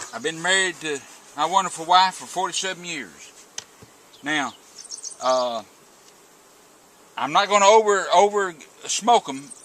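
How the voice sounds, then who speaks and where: A man speaks at a high pitch with lively intonation, big swings in loudness, and long, frequent pauses. Noticeable background noise is present. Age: 70s. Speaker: beekeeper. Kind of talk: tutorial. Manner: halting, many fillers and repeats; slow and gentle.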